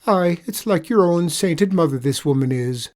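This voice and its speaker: A coaxing, sly male leprechaun with an Irish accent wheedles through a pitiful tale, voiced by a storyteller during a storybook reading. The delivery sits in the mid-range, animated and a little mellow at a moderate pace, pushed up a bit while staying near an everyday voice.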